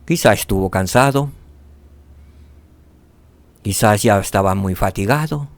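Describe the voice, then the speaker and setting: A man teaching a scripture lesson, asking rhetorical questions and dropping to soft tones for emphasis. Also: fairly low pitch, unhurried, no echo.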